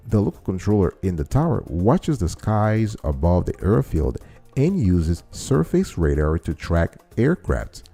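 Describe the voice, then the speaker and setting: Low gravelly guy explaining stuff like a show host, lively up and down, faint music behind. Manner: didactic, repeats and restates key phrases. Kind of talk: informal explanatory monologue, addressing listeners.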